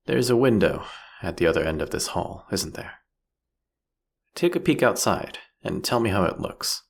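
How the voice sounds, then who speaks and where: Male actor as vampire king, low-pitched, swooping intonation, seductive, mocking, eloquent, theatrical, fantasy audio roleplay. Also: exaggerated voice. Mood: wry, musing. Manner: theatrical, teasing, eloquent, drawn-out phrasing.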